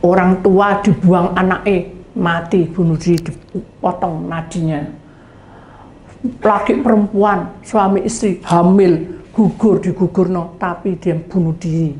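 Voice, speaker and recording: A woman's voice: on the low side, fairly even intonation, measured pace, darkish tone. Lady pastor preaching, acts out voices, roomy echo, a bit of hiss. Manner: dramatic storytelling, acts out voices. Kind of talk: testimony sermon. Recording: echoey room, faint background noise.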